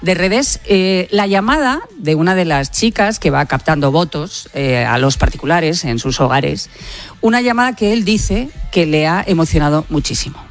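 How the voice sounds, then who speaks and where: A woman in lively, chatty conversation as a radio contributor. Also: lowish voice, normal speed, faint music behind. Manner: chatty, lively, laughs often. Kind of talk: radio chat.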